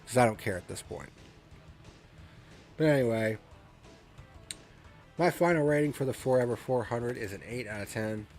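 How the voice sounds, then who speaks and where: A man's voice: mid-range voice, normal speed, pauses often, darkish tone, soft background music. A man hosting a racing review show, talking casually with a blunt, profane, ranting manner, and sounding congested from a cold.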